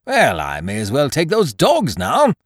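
A loud, blustering schemer from a storybook, full of hearty indignation, as a male narrator puts him on. The voice leaps up high when worked up, and it sits in a dry, close space. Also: wildly swooping pitch, a little slow, slightly rough, no echo, exaggerated voice. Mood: breezy. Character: blustering booming middle-aged male schemer.

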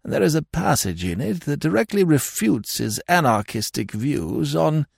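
A man acts out an elderly English lord from a comic storybook, benevolent and woolly-minded. The voice rides high and wavers up and down with a little creak. He dithers and repeats himself, in a close, dry recording. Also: very animated, moderate pace, no echo, full character voice. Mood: dreamy, vague. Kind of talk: comic novel audiobook character voice.

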